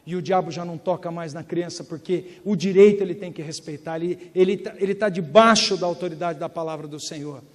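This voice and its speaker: High-voiced Brazilian preacher in a reverberant church. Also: male voice, a little fast, hardly any pauses. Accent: Brazilian Portuguese. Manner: swings between forceful declarations and hushed, tender delivery. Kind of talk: sermon. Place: large church sanctuary. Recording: long reverb of a big church hall.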